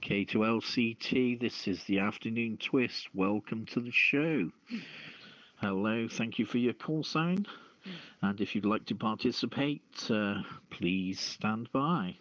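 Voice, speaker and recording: A man hosting a radio call-in show, reading news and opening discussion in a halting delivery with stumbles. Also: on the low side, fairly bright tone. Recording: roomy, dull lo-fi radio-style audio.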